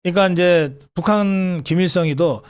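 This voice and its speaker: A man's voice: sits high, moderate pace, clear, resonant tone. A man hosting an interview in a conversational style, summing up and prompting his guest. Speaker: interview host.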